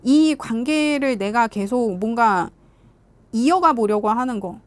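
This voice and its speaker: A woman's voice: on the high side, expressive, a little slow, no room sound. Chatty woman doing a tarot reading. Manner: chatty and emphatic, keeps addressing viewers. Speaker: tarot reader. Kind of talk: casual tarot reading talk to viewers.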